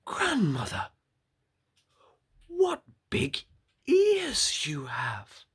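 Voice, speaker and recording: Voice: mid-range voice, huge pitch swings, drawn-out words, fairly bright tone, husky, voice pushed up, exaggerated voice. A teacher voicing a frightened little girl in a red hood, gasping and pleading in a storybook reading. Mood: wary, wondering. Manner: wide-eyed, gasping, pleading.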